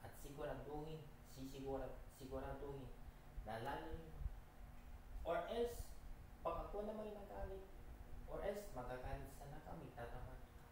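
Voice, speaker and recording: Very echoey, distant Filipino woman, rambling casually. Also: a bass voice. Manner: halting, repetitive, switches between Tagalog and English. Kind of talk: casual rambling chat while driving. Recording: very echoey, distant mic, noisy background.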